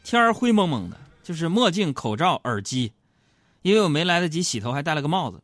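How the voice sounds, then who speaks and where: A man hosting a radio show, telling self-mocking comic stories in an animated way, recorded in a studio. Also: fairly high pitch, brisk, no room sound, soft background music. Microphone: studio microphone.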